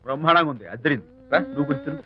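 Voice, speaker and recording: A man's voice: on the high side, lively intonation, racing, close to an everyday voice. An actor playing a playful young film hero who mixes English into his talk. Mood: pleading. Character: playful young man, charming and teasing. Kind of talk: film dialogue. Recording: dull film sound with music.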